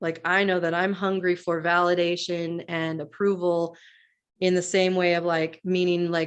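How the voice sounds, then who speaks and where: A woman with an American accent speaks at a moderate pace with monotone, flat intonation and very even loudness, over a quiet background. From Boise, Idaho, US. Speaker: comedian and improv artist. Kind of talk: interview conversation.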